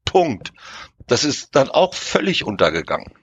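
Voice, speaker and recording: A man's voice: medium pitch, huge pitch swings, moderate pace, breathy edge, no echo, dull audio. A man speaking as a lawyer in a conversational discussion, explaining and arguing his points with emphasis. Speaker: lawyer, podcast guest.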